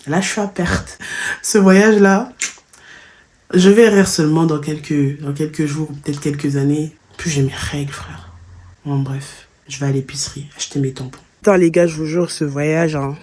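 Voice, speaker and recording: A woman's voice: deep voice, fairly even intonation, moderate pace, darkish tone. Annoyed young French woman vlogging. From France. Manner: annoyed, ranting. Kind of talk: casual travel vlog. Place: travelling in a city.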